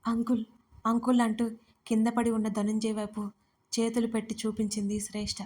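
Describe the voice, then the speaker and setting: Mellow, even-toned woman storyteller. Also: a little high. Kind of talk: scripted narration of a romance audio story.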